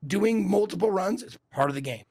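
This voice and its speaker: A man co-hosting a casual gaming podcast, his voice raspy and hoarse from a bad voice day, talking in an animated way and giving advice. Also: high-pitched, a little fast, no echo, clean studio sound. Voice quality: raspy, strained voice. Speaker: podcast co-host.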